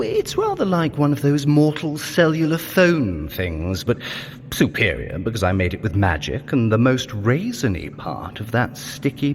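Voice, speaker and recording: Sly trickster god, pompous, mock-innocent, wildly animated pitch, long hall reverb, audio drama. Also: male voice, slight background noise, heavily acted. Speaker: guide of a training adventure.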